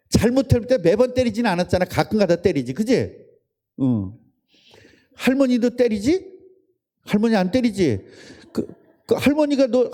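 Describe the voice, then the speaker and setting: A pastor, his voice on the high side with a dark tone, delivers an informal sermon in a church service room, talking with the congregation and putting questions to its children and adults alike.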